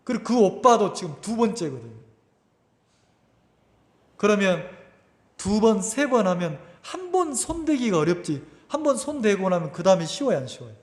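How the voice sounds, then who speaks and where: A male pastor preaching a sermon, animated, often asking the congregation questions. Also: sits high, normal speed. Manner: animated, asks the congregation questions, acts out quotes. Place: church sanctuary. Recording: reverberant church hall.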